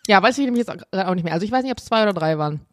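A woman's voice: mid-range voice, animated, racing, no echo. A woman co-hosting a podcast, chatting casually and laughing easily. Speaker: podcast co-host. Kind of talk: casual chat.

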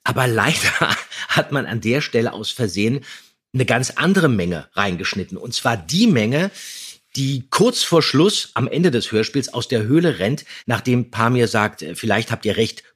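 Husky man in casual podcast chat. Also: mid-range voice, expressive, moderate pace, fairly bright tone. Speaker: podcast co-host.

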